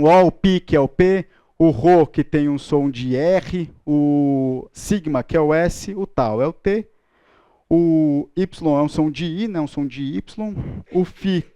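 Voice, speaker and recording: A man's voice: on the high side, takes it slowly, mellow, clear, resonant tone, no echo. A man with a Brazilian Portuguese accent teaching a Bible school class in a playful, joking way, leading the room in chanting letters. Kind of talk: lively classroom lesson.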